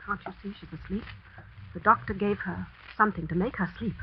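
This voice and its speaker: An actress playing a cold, scheming school housekeeper in a 1940s radio mystery drama, talking in a defensive, haughty way. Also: female voice, medium pitch, brisk, loud music behind the voice, lightly acted. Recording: dull lo-fi 1940s radio broadcast.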